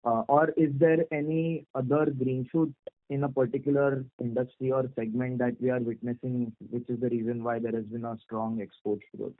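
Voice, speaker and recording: A man with an Indian accent asking formal questions as an analyst on an earnings call, polite, measured and wordy. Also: medium pitch, flat delivery. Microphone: phone call. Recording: muffled narrow phone conference line.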